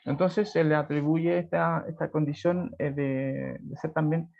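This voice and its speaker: A man's voice: on the high side, fairly even intonation, a little slow, creaky, a little mellow. A Chilean man teaching a literature class over a video call, rambling with many fillers and checks for agreement. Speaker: high school literature teacher. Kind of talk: online class lecture. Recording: muffled lo-fi video call audio.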